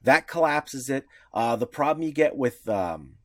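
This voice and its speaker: A man's voice: mid-range voice, animated, a little slow, a bit bright, no echo. A man co-hosting a podcast in casual chat, talking loosely with restarts and the odd swear word. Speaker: podcast co-host.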